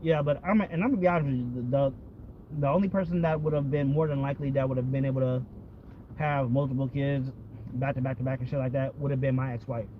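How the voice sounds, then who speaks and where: A fast-talking American man vlogs casually and candidly in a medium-pitched, fairly evenly intoned voice, rambling, swearing a lot and repeating himself. Background vehicle noise runs under the dull, lo-fi sound.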